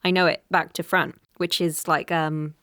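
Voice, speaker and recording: A woman voice actor speaking candidly as a podcast guest, animated and quick to laugh. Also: low voice, dry recording, clean studio sound. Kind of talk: conversational interview.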